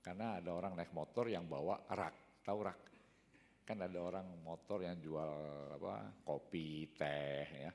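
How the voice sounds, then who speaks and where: A man's voice: low-pitched, vocal fry, darkish tone. An older man telling everyday stories in a casual, rambling talk, often tagging his sentences with a short "ya". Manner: rambling, fills pauses with a tag "ya". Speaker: speaker giving a talk. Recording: long hall reverb.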